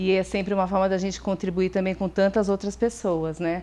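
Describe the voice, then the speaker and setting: A woman speaks with a dark, mellow tone. Her pace is fairly quick. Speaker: sex educator and businesswoman. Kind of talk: casual interview. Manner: halting.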